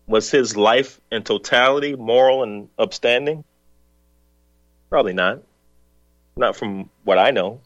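A man hosting a call-in radio talk show, speaking in a measured, reflective way while feeling ill. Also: medium pitch, no echo, highs cut off. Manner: measured, reflective, hums along with the caller.

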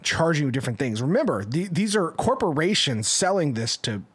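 A man with a somewhat high voice co-hosting a podcast. He argues his points with animation and keeps checking in with tag questions. The tone stays casual and conversational throughout. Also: sing-song, brisk, husky. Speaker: podcast co-host.

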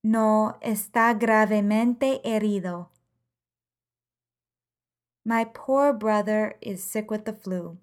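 A woman teaching a language podcast lesson at a slow, unhurried pace. Her voice sits at an ordinary middle pitch, and she reads each example sentence in clear, measured phrases. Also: fairly even intonation.

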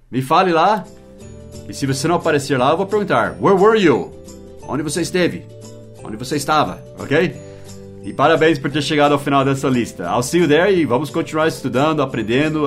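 A man teaching English in a mini-podcast, spelling words letter by letter and slowing down for the English examples. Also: mid-range voice. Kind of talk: mini-podcast language lesson.

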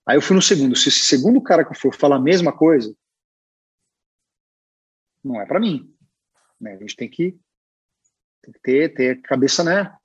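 A Brazilian man sits as a guest and tells a long story from his career in a loose, chatty way, full of fillers and asides. His voice is breathy and a little husky, at an ordinary male pitch. The recording sounds slightly dull and muffled. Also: moderate pace, pauses often. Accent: Brazilian Portuguese. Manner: animated, chatty, peppered with filler words. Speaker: guest illustrator. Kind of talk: casual storytelling.

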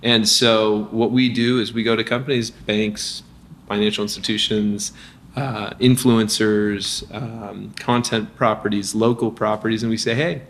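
A man, a company founder, speaking as a guest in a casual business interview, energetic with lots of restarts and fillers. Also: on the low side, measured pace, a little hiss or hum.

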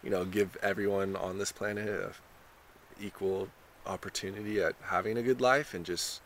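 A young man talking in a relaxed surfer way, full of "you know" and "like", in a casual interview. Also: low voice, normal speed, slight background noise. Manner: laid-back surfer talk, lots of "you know" and "like". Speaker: contestant being interviewed.

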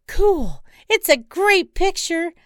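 A woman voicing an excitable, gushing wife who loves penguins. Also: high-pitched, slow pace, no room sound, studio quality, voice pushed up, exaggerated voice. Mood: excited. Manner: gushing, squealing, giddy. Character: excitable penguin-loving middle-aged wife.

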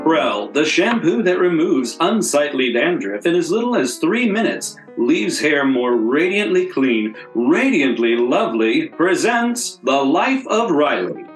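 With strong room echo and faint guitar music behind, a man narrates like an old-time radio announcer. His voice sits fairly high and moves with a lively melody. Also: a little slow, few pauses.

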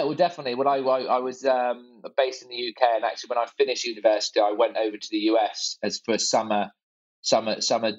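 A man's voice: fairly low pitch, lo-fi sound. A man in his forties, born in Hong Kong, answering interview questions with dry, self-deprecating humor and lots of hesitant fillers. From born in Hong Kong, raised abroad. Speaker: guest, startup founder. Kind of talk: conversational interview.

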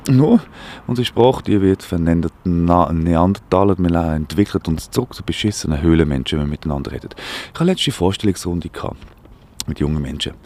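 A man's voice: sits low, expressive, brisk, darkish tone. A man with a Swiss German accent hosting a satirical radio show, talking outdoors in a rambling, sarcastic, mock-alarmed way. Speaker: radio host. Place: outdoors, walking.

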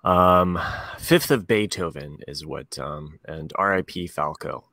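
A man's voice: sits low, measured pace, bright, forceful tone, no echo, clean studio sound. A man chatting casually with friends, rambling and restarting his sentences. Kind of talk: casual group chat.

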